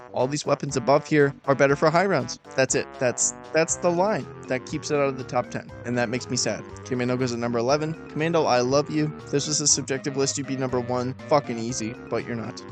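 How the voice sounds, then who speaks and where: A young man giving emphatic, profane weapon-ranking commentary, his throat tired and a little raspy. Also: mid-range voice. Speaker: gaming video host. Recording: voice-over with loud music behind.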